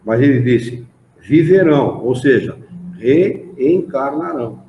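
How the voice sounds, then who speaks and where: Slow and animated, a medium-pitched man with a Brazilian accent teaches a spiritist study class, walking through texts and asking rhetorical questions. It's a roomy, dull lo-fi recording from an association meeting room, carrying a little hiss or hum.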